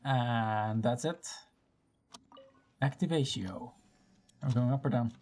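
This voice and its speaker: A woman's voice: rumbling low, slow, a little mellow. A woman giving casual commentary as she streams a game, thinking aloud with playful exasperation and plenty of swearing. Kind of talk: casual gameplay commentary, talking to self.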